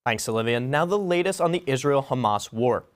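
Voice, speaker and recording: Male anchor, mid-pitch, steady studio read for a news show. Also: fairly quick. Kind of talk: scripted studio news reading.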